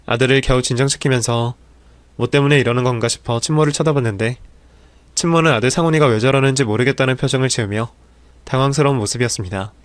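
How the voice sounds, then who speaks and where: A man reading a dramatic real-life story as scripted narration, in a steady telling voice. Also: mid-range voice, quick pace, dry recording.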